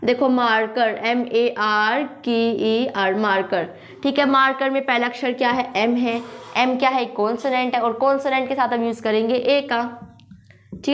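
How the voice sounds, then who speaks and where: High-voiced woman teaching grammar. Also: normal speed, fairly bright tone. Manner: quizzes listeners with repeated questions, spells words aloud. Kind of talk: classroom-style grammar lesson.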